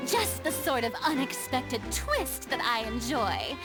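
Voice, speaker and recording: A woman's voice: high voice, big pitch swings, unhurried. A woman playing a flamboyant, haughty goddess of justice in a video game, speaking in a grandiose, dramatic manner. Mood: haughty, amused. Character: flamboyant female god of justice, theatrical, haughty. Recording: loud music behind the voice.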